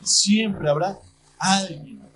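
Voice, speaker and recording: A man preaching a sermon as pastor, acting out church members in lively asides. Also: high-pitched, very slow, low-quality recording.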